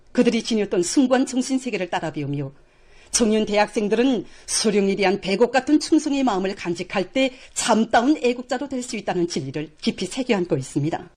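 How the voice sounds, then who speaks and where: A woman's voice: mid-range voice, a little mellow. A woman with a North Korean accent reads formal scripted television news in a solemn, reverent, declamatory manner.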